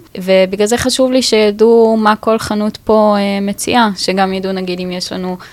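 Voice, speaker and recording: Monotone, flat intonation with hardly any pauses. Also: woman, medium pitch for a woman, moderate pace. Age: 20s. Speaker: community initiative organizer. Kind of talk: panel interview. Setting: studio.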